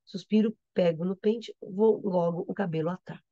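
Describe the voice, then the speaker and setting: Brief: Brazilian woman literature teacher, mellow, dry close sound, explains and repeats, checks understanding. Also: on the low side, moderate pace, dry recording, lo-fi sound. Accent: Brazilian Portuguese. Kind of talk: reading and explaining a poem in a lesson.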